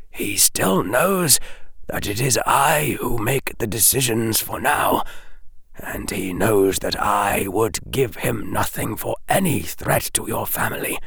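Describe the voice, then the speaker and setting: A man voicing a grave, sorrowful old male wizard in an audiobook, speaking in a hushed, whispery, measured way. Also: medium pitch, gravelly, breathy edge, no room sound, studio quality, pitched above the performer's own voice, exaggerated voice. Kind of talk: audiobook character voice.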